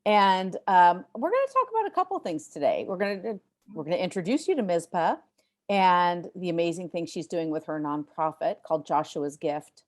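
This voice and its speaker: A woman's voice: on the low side, very animated, normal speed. A woman hosting a podcast interview, chatty and easygoing, with lots of ums and easy laughs. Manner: warm, chatty, many ums, laughs easily. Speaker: podcast host. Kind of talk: casual interview chat.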